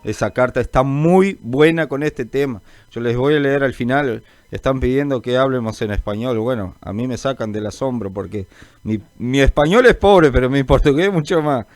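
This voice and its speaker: Chatty radio preacher, dry sound. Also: male voice, mid-range voice, normal speed, no room sound, soft background music. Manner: chatty, greets listeners by name, calls them brother; informal, rambling, many fillers. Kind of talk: live call-in gospel radio chat.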